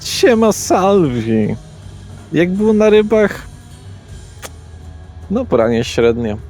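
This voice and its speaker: A man's voice: high-pitched, very animated, takes it slowly, a little mellow, soft background music, voice pushed up, exaggerated voice. A man voicing a brash, self-important vampire lawyer in a tabletop role-play, effusive and colloquial. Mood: jovial, chummy.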